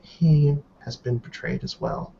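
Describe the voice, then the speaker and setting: A man's voice: mid-range voice, creaky, mellow. Man playing a stern, formal tribal grandmother, dull audio. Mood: grave, stern. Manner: formal, deliberate, halting phrasing. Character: stern elderly tribal matriarch sitting in judgement, measured. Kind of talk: tabletop roleplay in character. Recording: dull online call with background noise.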